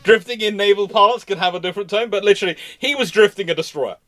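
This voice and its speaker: Higher-voiced man talking history casually. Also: fast, pushed and bright. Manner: rambling, self-correcting. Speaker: livestream host and naval historian. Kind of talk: casual live history discussion.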